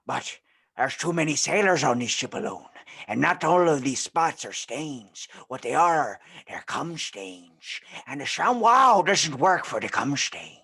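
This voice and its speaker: Hapless one-eyed pirate sailor , played by a man, crude comedy, theatrical drawn-out griping, sharp forceful tone. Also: a little high, sing-song, husky, exaggerated voice. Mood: crude, complaining. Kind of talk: improvised comic role-play.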